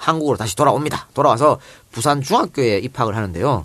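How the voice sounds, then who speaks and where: A man's medium-pitched voice with vocal fry, moving at a fairly quick pace. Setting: studio.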